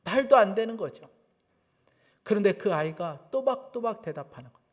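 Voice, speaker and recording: High-voiced Korean pastor, earnest sermon. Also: male voice, animated, normal speed. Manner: earnest storytelling, rising to fervent preaching. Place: church.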